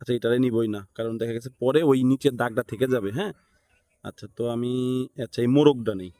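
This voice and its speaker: Man, Bangladeshi accent, medium pitch, casual tutorial instructor, thinks aloud, frequent tag questions, dry recording. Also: quick pace, warm tone, dry recording. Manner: thinks aloud, often seeks agreement with short tag questions. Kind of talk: casual step-by-step screen tutorial, unscripted.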